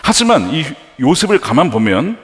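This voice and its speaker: A man's voice: a little high, very animated, moderate pace, fairly bright tone. Emphatic male pastor in an echoing church. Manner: emphatic preaching with rhetorical questions to the congregation. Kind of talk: sermon. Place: large church sanctuary. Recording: long church-hall reverb.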